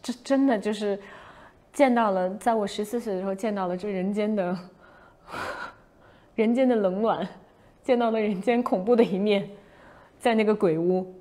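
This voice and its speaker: A young woman hosting a casual livestream, telling a story in an animated way and acting out her own past shouts. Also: mid-range voice, normal speed, long pauses. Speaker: livestream host.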